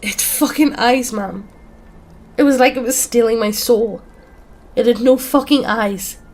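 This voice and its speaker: A woman voicing a panicked young man who sobs and shouts in terror while telling a horror story. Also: a little high, a little slow, pitched above the performer's own voice. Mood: terrified, sobbing.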